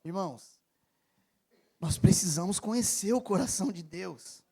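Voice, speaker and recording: High-voiced Brazilian pastor in his thirties preaching; moves from quiet personal stories to loud, emphatic appeals. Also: expressive, a little slow, vocal fry, breathy edge. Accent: Brazilian Portuguese. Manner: personal storytelling, swings from soft confession to loud emphatic preaching. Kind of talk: sermon.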